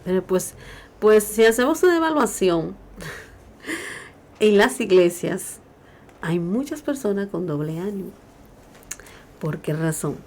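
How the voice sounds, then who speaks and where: A woman's voice: medium pitch, expressive, slow, long pauses, darkish tone, a little hiss or hum. A woman co-hosting a Christian radio talk show, preaching emphatically and raising her voice when she quotes scripture.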